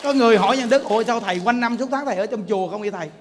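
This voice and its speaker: A high-pitched Southern Vietnamese man preaching as a monk, loose and joking, turning to his listeners again and again with quick questions. His voice rings out with a long reverb, and there is a faint hum of noise underneath. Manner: colloquial and joking, peppers talk with questions to the audience. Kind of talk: sermon.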